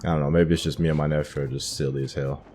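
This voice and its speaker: Talking very fast in an extremely low, dark and flat voice, a man offers casual gameplay commentary while playing, thinking out loud and musing to himself as a host narrating his playthrough. Soft music plays behind him.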